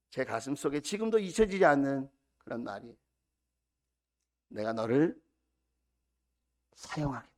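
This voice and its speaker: A middle-aged man preaching as senior pastor, building to loud repeated cries and dropping to soft, intimate storytelling. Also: fairly high pitch. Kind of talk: sermon.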